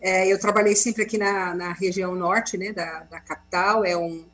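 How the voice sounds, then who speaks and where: A woman's voice: mid-range voice, steady tone, normal speed, a bit bright, low-quality recording. A woman host introducing a guest and chatting politely over a video call. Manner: welcoming, polite, conversational. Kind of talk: web conference hosting.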